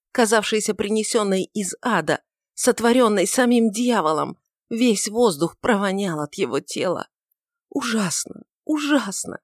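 A woman's voice: mid-range voice, no room sound, clean studio sound, voice pushed up. A woman reading aloud and voicing a grown male apostle, anguished and desperate, in wailing, frantic outcries. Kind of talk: audiobook reading of a dramatic novel.

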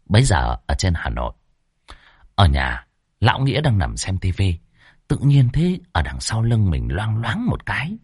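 A man narrates a ghost story in a low voice that rises and falls with plenty of expression. The recording is dry and close, with no room sound. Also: wildly swooping pitch, moderate pace, slightly rough, dry recording.

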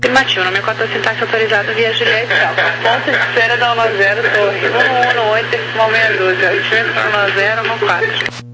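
Brisk Brazilian woman controller over radio. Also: on the high side, steady tone. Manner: brisk, clipped instructions. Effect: over a two-way radio. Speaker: airport ground controller. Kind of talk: terse radio phraseology. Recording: noisy radio transmission with hum.

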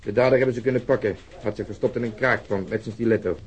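An actor playing a blunt, sardonic, impatient police detective in a radio drama. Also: male voice, on the low side, fairly even intonation, quick pace, highs cut off, natural voice. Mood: animated, cynical. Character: gruff, sarcastic, impatient plainclothes police detective, male. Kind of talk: Dutch radio drama acting. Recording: noisy old radio drama recording.

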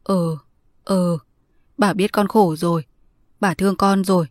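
A woman voicing a tender, worried old blind grandmother who speaks in a hushed, close voice in a read-aloud story. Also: on the low side, fairly even intonation, unhurried, no echo, natural voice. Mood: soothing.

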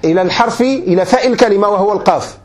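A sheikh with a Moroccan accent gives a grammar lecture in a notably high voice. He circles back over each point, restarts phrases and keeps asking his class whether they have understood. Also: racing. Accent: Moroccan Arabic. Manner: quizzing listeners with frequent check questions; patient, repeats and restarts points.

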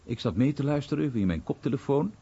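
A very husky, dark-toned male war veteran recounts his past soberly for radio. His intonation moves widely, and the sound is slightly dull. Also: medium pitch, animated, fast talker. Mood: narrating. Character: American war veteran soberly recalling bomber days. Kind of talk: radio documentary-drama monologue.

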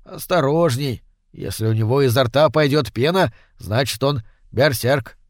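A man's voice: mid-range voice, unhurried, dry recording, studio quality, natural voice. A man voicing a jumpy, superstitious young Viking who is wary of a stranger. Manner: wary, then shrieking.

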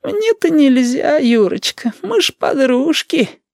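Audiobook granny, sly and grumbling, put on by a male reader: very high, creaky, swooping drawl. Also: big pitch swings, slow pace, dry recording, studio quality, exaggerated voice. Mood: querulous. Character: grumbling old grandmother, nosy and sly.

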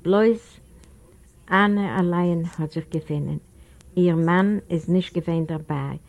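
A guilt-ridden old widower speaks his sorrow in a storybook reading, as a woman reader puts him on. His voice sits low and mellow, and the words come as a remorseful plea. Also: slow, gravelly. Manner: remorseful, pleading. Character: grieving elderly widowed father, guilt-ridden. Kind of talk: audiobook character voice.

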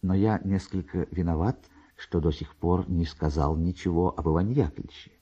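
A man narrating a literary story in a theatrical, expressive way with drawn-out pauses. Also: low-pitched, slightly rough, highs cut off.

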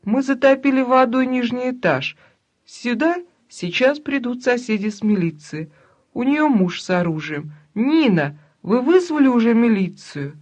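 A reader voicing a frightened old grandmother who shouts urgently for help, her voice raised and shrill. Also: very animated, slow pace, vocal fry, few pauses, slightly rough, dull audio, exaggerated voice. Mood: commanding. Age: older. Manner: loud, urgent, shrill pleading.

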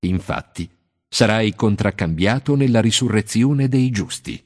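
A man reading the part of Jesus, a grown man who teaches with calm authority in a measured, solemn cadence. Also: on the low side. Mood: solemn teaching. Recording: long hall reverb.

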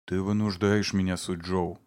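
A middle-aged man on the defensive, speaking low and quiet with a mellow tone, as a male narrator voices him. He keeps his composure but leans into pleading appeals. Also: normal speed, clear, resonant tone, lightly acted. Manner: calm, then pleading and tearful.

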